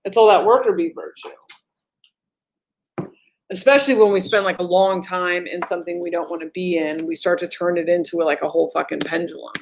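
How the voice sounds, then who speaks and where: A woman's voice: on the low side, fairly even intonation, a little fast, a little hiss or hum. A woman giving a casual livestream energy update as a spiritual channeler. She rambles and swears bluntly while reading viewer comments. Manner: reads viewer comments aloud.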